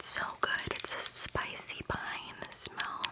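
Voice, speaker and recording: The speaker is a woman. Her voice is a whisper. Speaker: candle seller. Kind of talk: soft-spoken product showcase. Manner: soft close-mic ASMR voice. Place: home room. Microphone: studio mic.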